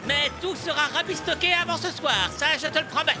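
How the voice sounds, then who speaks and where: Very high-pitched busy little foreman creature. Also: lively intonation, a little fast. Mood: reassuring, businesslike. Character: busy foreman of tiny mechanic creatures, reassuring. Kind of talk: French-dubbed children's cartoon acting. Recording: loud music behind the voice.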